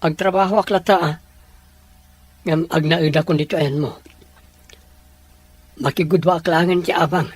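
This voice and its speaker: Man acting as hurt young man, proud, husky tenor-leaning voice, audio drama dialogue. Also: on the high side, fairly even intonation, moderate pace, pauses often, no echo, close to an everyday voice. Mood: downcast, earnest.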